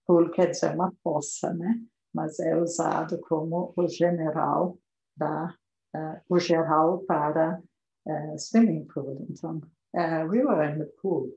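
Slow, low-voiced woman teaching English. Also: level tone, vocal fry, mellow, roomy sound, lo-fi sound. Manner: repeats English phrases slowly between Portuguese explanations. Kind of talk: language lesson.

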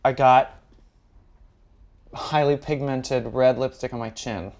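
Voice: mid-range voice, steady tone, slow, over a noisy crowd. A young adult guest in a casual comedic chat, talking in a meandering, hesitant, self-deprecating way.

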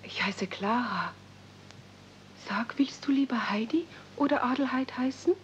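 A woman playing a gentle, lonely, well-bred twelve-year-old girl, speaking coaxingly in a 1970s radio play. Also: fairly high pitch, unhurried, close to an everyday voice. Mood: friendly, coaxing. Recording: dull, humming, noisy old cassette transfer.

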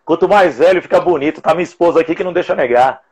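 A man's voice: a little high, rapid-fire. A man in his forties with a Brazilian Portuguese accent, hosting a casual live interview over a video call with earphones at home. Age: 40s. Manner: chatty, jokey, announces schedule. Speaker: live show host. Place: room at home. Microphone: earphones with mic on video call.

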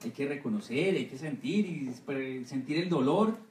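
A missionary pastor giving a Sunday school sermon, often asking the congregation for agreement with amen and right. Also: male voice, on the high side, animated, normal speed, a little mellow, far from the mic, slight background noise. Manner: asks the congregation for assent, repeating amen and right. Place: church hall. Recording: echoey room, voice from off-mic.

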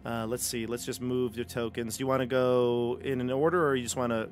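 A man's voice: medium pitch, steady tone, fairly quick, soft background music. A man running a tabletop game as game master over a video call, narrating loosely with lots of fillers. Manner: rambling, easygoing, many fillers. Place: home room, video call. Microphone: headset.

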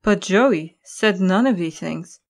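A woman's voice: medium pitch, slow. A woman giving scripted narration for an audio drama.

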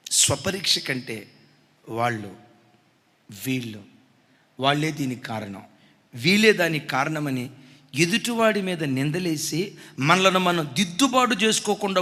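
A man's voice: a little high, fairly bright tone, in a large hall. A male pastor preaching an impassioned sermon, acting out the people in his story.

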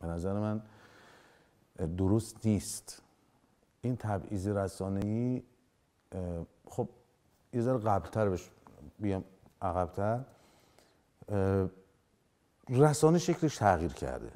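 A man's voice: lowish voice, expressive, pauses often, warm tone. A man in his forties, an actor as a guest in a TV studio interview, talking emphatically and gesturing as he makes his case. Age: 40s. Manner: emphatic, gestures with hands, acts out quoted lines. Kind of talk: studio interview, animated opinion. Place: dark television studio set. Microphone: lapel mic.

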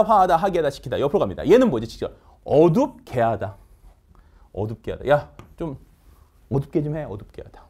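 Lively, animated male vocabulary teacher. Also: sits high. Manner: energetic, coaxing, quizzes students with quick questions. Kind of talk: online lecture.

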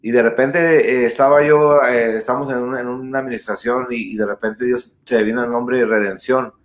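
A man's voice: medium pitch, steady tone, brisk, reverberant. A man of thirty, lead singer of a Christian worship band, talking earnestly with many fillers and restarts during a video-call interview. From born in Texas, raised in San Diego and Tijuana. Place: small room indoors at home. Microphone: webcam mic on video call.

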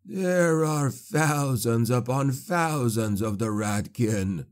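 A man voicing a broken old male sorcerer, locked in a cage, speaking slowly with a wheezing sneer. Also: mid-range voice, lively intonation. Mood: mocking. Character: broken old male sorcerer, caged, mocking then fawning.

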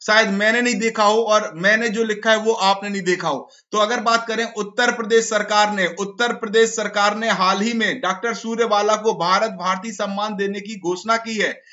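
A hoarse man teaching a live online exam-prep class, quizzing students and repeating each answer. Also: high voice, fairly even intonation, normal speed, few pauses, bright, forceful tone. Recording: dull lo-fi stream audio.

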